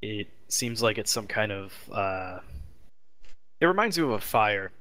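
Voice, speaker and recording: Bright-voiced man running a tabletop game. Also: lowish voice, lively intonation, unhurried. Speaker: game master. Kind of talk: improvised narration of a tabletop game.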